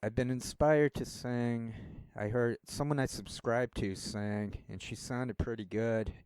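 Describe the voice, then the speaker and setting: A man's voice: mid-range voice, fairly even intonation, measured pace, a little mellow, clear, resonant tone, no room sound, studio quality. A man talking casually to his channel in a rambling, self-deprecating way, often stopping and restarting his sentences. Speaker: channel host.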